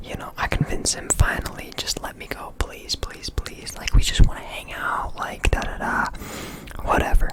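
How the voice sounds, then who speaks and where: There is noticeable background noise as a man whispers. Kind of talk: ASMR story time, casual personal storytelling. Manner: whispered, soft, rambling.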